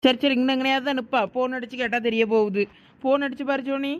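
A woman voicing a gruff, tired older village aunt in a cartoon, talking in a blunt, scolding way. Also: sits high, fairly even intonation, fast talker, voice pushed down, lightly acted. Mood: grumbling.

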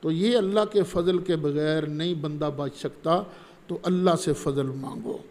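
A man giving a Quran commentary lecture, reciting Arabic verses slowly and then explaining them. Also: fairly high pitch, darkish tone. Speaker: Quran teacher. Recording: long hall reverb.

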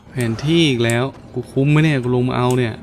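A man giving casual let's-play commentary in an animated, exclamatory way, with playful muttering. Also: mid-range voice, fast talker, a little hiss or hum. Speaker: gameplay commentator. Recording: game music behind the voice. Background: video game music.

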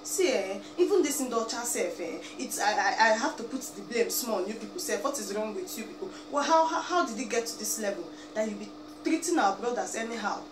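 With music in the background, a young Nigerian vlogger from Abia State speaks briskly in a fairly high, lively voice with an Igbo accent. Seated in a chair in a small indoor room, she rants at a camera a few feet away, pleading and scolding with plenty of "eh?" and "biko." The home recording is noisy, roomy, and distant.

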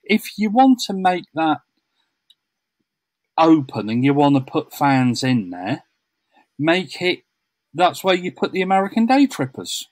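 A man's voice: a little high, very animated, unhurried, long pauses, dry recording. A man co-hosting a football podcast, blunt and emphatic, tacking on tag questions. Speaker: podcast co-host. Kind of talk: casual football chat.

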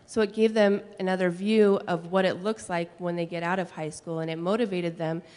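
A woman's voice: fairly low pitch, brisk. Woman teacher presenting, echoing hall. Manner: steady, explanatory, some fillers. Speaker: high school language teacher. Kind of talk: conference presentation. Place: large school hall, on stage. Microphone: handheld microphone. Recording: long reverb of a large hall.

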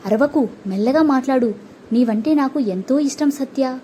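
A woman's voice: high voice, moderate pace, warm tone, a little hiss or hum, natural voice. A woman voicing a spirited, affectionate teenage landowner's daughter in a storybook, speaking insistently. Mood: pleading.

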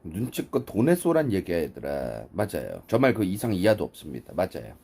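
A man's voice: low-pitched, huge pitch swings, brisk, creaky, background noise. A man with a cold live-streaming from bed at home, chatting casually, swearing and scolding his dog. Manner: swearing, talking to his dog, reading chat. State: sick with a cold, coughing.

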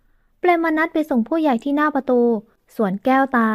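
ผู้หญิงเสียงสูงอ่านนิยายรักแบบนิยายเสียง เล่าเรื่องอย่างสม่ำเสมอ บันทึกเสียงแห้ง ไม่มีเสียงก้องห้อง. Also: female voice, high-pitched, a little fast, no room sound, studio quality. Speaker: audiobook narrator. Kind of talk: scripted romance novel narration.

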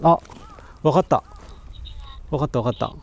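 A cycling livestreamer with a mid-range voice and moderate pace chats casually with viewers outdoors while testing and fixing his microphone through a voice recorder mic. He mumbles mic checks as he talks to them and sorts out the audio.

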